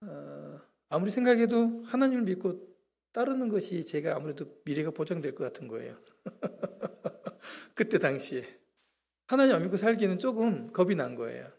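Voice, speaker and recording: Middle-aged male guest preacher, raspy fry-edged voice, humorous self-deprecating testimony. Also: sits high, big pitch swings, moderate pace, darkish tone. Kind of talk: sermon testimony. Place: church.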